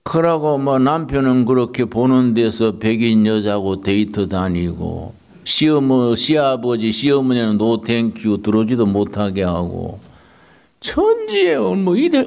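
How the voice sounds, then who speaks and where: A male pastor telling a story in a sermon, animated and asking his listeners rhetorical questions. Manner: animated storytelling with wide swings in pitch.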